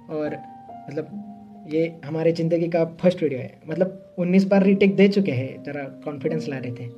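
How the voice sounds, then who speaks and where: In a lightly acted, scripted monologue, a young man from Uttar Pradesh, India, plays a shy, earnest engineering student from a village. His fairly high, dark-toned voice comes through a muffled recording, hesitant, full of fillers and wry self-mockery.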